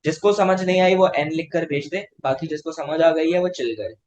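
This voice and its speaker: A man's voice: fairly high pitch, normal speed, a little mellow, highs cut off. A male teacher with a Pakistani Urdu accent, giving an online class lecture and answering his own rhetorical questions.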